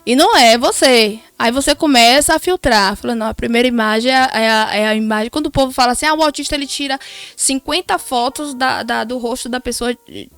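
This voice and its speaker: A woman, a podcast guest in casual conversation, animated, acting out quoted dialogue. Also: fairly high pitch, brisk, no room sound, soft background music. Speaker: podcast guest, child protection counselor.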